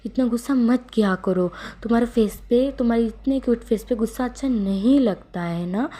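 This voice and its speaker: A woman voicing a loving young husband who coaxes his partner gently and affectionately. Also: fairly high pitch, normal speed, voice pushed up, close to an everyday voice. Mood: tender.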